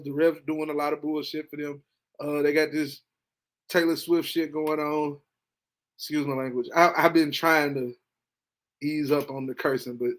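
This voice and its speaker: A man hosting a podcast, reacting casually to a football game, animated and talkative, dropping to low mutters and jumping to excited high bursts. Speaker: podcast host. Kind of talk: casual sports reaction monologue.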